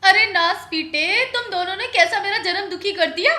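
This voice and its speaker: Very high bright voice, nagging village wife, haryanvi accent, echoey room. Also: female voice, moderate pace. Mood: complaining. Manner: scolding, wailing complaints.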